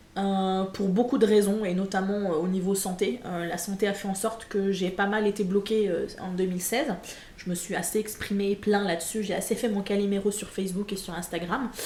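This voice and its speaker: Over noticeable background noise, a woman speaks at medium pitch and a moderate pace. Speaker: crafting youtuber. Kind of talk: casual vlog chat. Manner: hesitant, many fillers.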